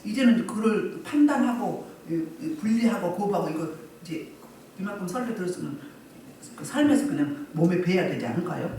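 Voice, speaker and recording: A woman's voice: medium pitch, expressive, a little fast, dark tone, slight background noise. A middle-aged woman pastor preaching a sermon with emphasis, repeating phrases and asking the congregation questions. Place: church hall. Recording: echoey hall, mic at a distance.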